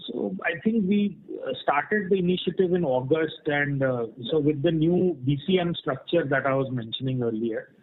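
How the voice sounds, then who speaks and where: A man's voice: a little high, normal speed. A man speaking as a company executive, explaining frankly and off the cuff on a conference call. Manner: frank, explanatory, often checks with "right?". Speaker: company executive answering analysts' questions. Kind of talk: earnings call question-and-answer, spontaneous explanation. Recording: muffled band-limited conference call line.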